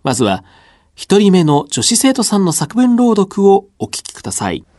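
A man hosting a radio program as its announcer, reading a polite, measured script in a studio. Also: sits high, wildly swooping pitch, a little mellow, a little hiss or hum. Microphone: studio microphone.

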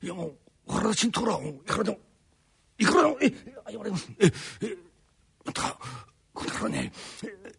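A hot-tempered middle-aged master carpenter with a rough Edo downtown tongue, as a male rakugo teller puts him on. His voice runs high and swoops widely, bright and gravelly with a husky edge. He fires words off quickly. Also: sing-song, exaggerated voice. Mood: pleading politely. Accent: Edo downtown speech. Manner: polite pleading turning into a fast, rough tirade. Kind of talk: rakugo storytelling.

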